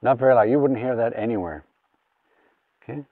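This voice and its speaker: A man's voice: medium pitch, fairly quick, no room sound, distant mic. A man giving a casual hands-on gadget demonstration, talking through each step aloud in an informal way. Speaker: gadget reviewer. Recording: phone-like, thin sound, off the mic.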